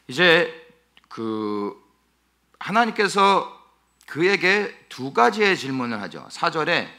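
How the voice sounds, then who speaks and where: A male pastor preaching an expository sermon, emphatic and animated, often asking his listeners rhetorical questions. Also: medium pitch, gravelly.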